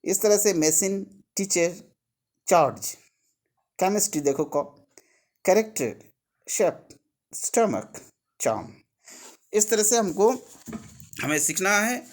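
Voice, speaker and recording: Slow-paced teacher explaining a workbook. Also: male voice, high-pitched, expressive. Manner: mixes Hindi and English, explains step by step.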